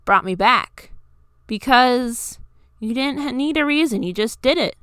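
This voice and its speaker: A gentle but direct teenage gamer girl in an audio story, voiced by a woman reader. She is soft-spoken and clear, recorded very dry. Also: fairly high pitch, lively intonation, measured pace, no room sound, pitched above the performer's own voice. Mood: firm, insistent.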